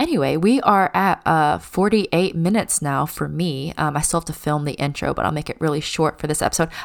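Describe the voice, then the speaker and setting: In an American accent, a woman with a very deep, low voice speaks with hardly any pauses and ordinary pitch variation in a very clean recording with a silent background. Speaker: podcast host. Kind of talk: casual solo ramble, unscripted podcast. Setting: home recording without headphones. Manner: casual, rambling, many filler words; slightly louder, natural, not polished.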